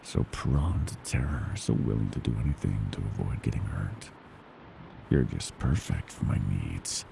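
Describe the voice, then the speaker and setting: A man's voice: animated, moderate pace, background noise, exaggerated voice. A man voicing a gleeful, predatory monster from under the bed in a horror ASMR roleplay, menacing and mockingly tender, savoring his words and slipping into whispers. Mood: gloating. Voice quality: very deep, gravelly creaking growl.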